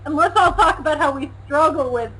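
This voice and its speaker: A young woman with a high voice talks loudly and animatedly on a casual talk show. She teases and laughs easily as she co-hosts. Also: fairly quick, low-quality recording. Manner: loud, animated, mocking, laughs often. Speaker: co-host.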